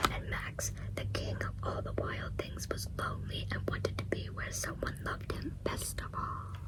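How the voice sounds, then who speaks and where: A woman whispers at a moderate pace with hardly any pauses. Noticeable background noise is present. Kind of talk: ASMR bedtime story reading. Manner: soft-spoken, whispered, relaxing.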